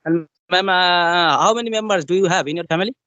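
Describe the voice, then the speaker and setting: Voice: medium pitch, bright, forceful tone, dry recording, muffled recording. An English learner from West Bengal with a Bengali accent, whose mother tongue is Bengali, asking questions in a casual practice chat with many fillers. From West Bengal, India. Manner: quick, repetitive affirmations with filler-heavy phrasing. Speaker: English learner interviewing a trainer.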